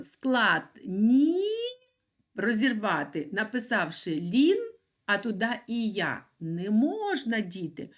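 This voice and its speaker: A middle-aged woman teaching a lesson to young children, drawing out stressed syllables in a sing-song teaching voice. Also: medium pitch. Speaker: primary school teacher.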